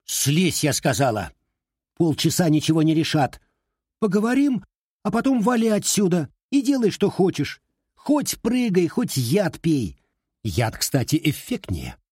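A man's voice: fairly high pitch, big pitch swings, moderate pace, a little mellow, husky, no room sound, studio quality, pitched above the performer's own voice, full character voice. A man doing a blunt, bossy young woman. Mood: scolding. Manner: brusque, commanding. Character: blunt, sharp-tongued young woman, tough and practical.

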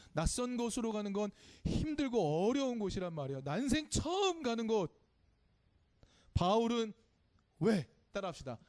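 A man's voice: high-pitched, darkish tone, clean tone. A man giving a children's sermon in church, telling the story simply and asking the congregation questions as he goes. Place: church service.

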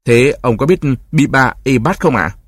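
A jolly, broad-shouldered oil driller, played by a male reader, friendly and coaxing. He talks a little higher than the narrator, husky and dry, as in a storybook. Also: animated, moderate pace, dry recording.

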